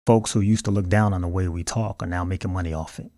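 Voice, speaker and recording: Deep, gravelly man with African American accent. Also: fairly even intonation, fast, warm tone, no room sound, clean studio sound. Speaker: video host. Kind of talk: scripted video essay commentary.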